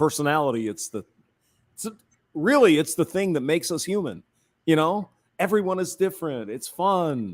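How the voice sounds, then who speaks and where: A man with an American accent speaks at a moderate pace, his pitch fairly high and his intonation lively. Long, frequent pauses break up his speech, and the recording is very clean with a silent background. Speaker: live stream host. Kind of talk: casual chat.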